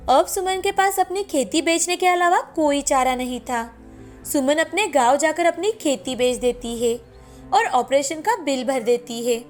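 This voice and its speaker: Woman, storyteller, scripted narration, steady, high-pitched, faint background music.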